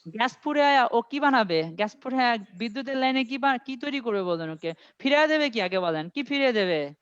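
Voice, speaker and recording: A man tutoring an online IELTS class, reading English sentences slowly and quizzing his students step by step. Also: very high voice, animated, a bit bright, clear, resonant tone, no room sound. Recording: dry, dull lo-fi audio.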